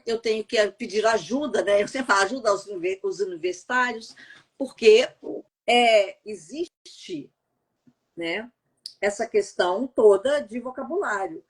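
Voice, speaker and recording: Husky middle-aged Brazilian woman, chatty. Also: on the high side. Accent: neutral Brazilian Portuguese, no regional accent. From Goiás, Brazil. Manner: chatty, frequent "né?" tags, laughs easily. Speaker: voice actress and translator, podcast guest. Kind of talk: casual interview storytelling. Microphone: remote call.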